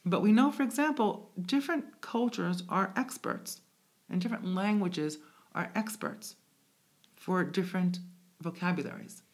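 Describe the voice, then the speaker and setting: A woman's voice: medium pitch, normal speed. A woman guest from the United States, a native speaker of English and Hebrew, talking reflectively in a conversational interview. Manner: reflective, searching, with restarts.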